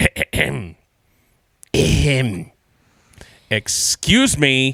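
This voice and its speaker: A man uses a put-on character voice at a medium pitch, recorded with a dry, close sound and no echo. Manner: passive-aggressive.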